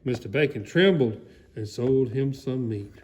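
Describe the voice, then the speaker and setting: A man voicing a folksy, excitable country alligator, giving a theatrical comic storybook reading. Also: mid-range voice, unhurried, background noise, lightly acted. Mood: hammy, excited. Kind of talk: dramatic storybook reading, played for comedy.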